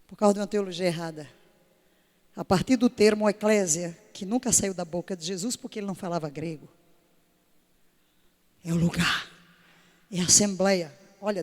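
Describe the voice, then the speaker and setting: A woman's voice: mid-range voice, long reverb tail. A woman preaching a sermon to her congregation in an emphatic way, full of rhetorical questions. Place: church service.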